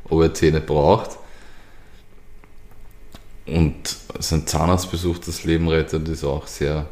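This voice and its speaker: Brief: young male podcast co-host, low voice, wry humor, roomy echo. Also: little pitch movement, dark tone. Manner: dry, teasing, quick to laugh. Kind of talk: casual chat.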